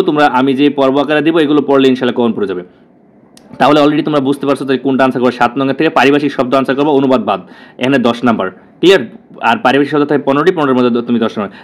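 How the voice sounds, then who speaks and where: A man teaching an exam-prep lesson, repeating key words and often asking the students "clear?". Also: mid-range voice. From Bangladesh.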